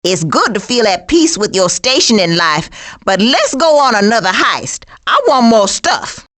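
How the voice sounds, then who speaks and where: A woman with an American accent voicing a cranky, dry-witted female skunk in an animated video game, with a sassy, sardonic and folksy manner. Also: medium pitch, a little slow. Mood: sassy, deadpan.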